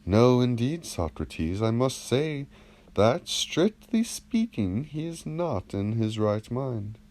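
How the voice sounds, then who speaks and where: A man's voice: mid-range voice, big pitch swings, slow, darkish tone. A man reading the part of an agreeable, earnest epic-poetry performer in a classical dialogue audiobook, formal and deferential. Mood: frank.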